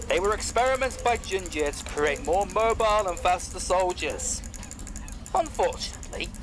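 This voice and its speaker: A man's voice: a little high, natural voice. An actor playing a polite, loyal clockwork man who explains things formally in an audio drama. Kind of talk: scripted audio drama acting.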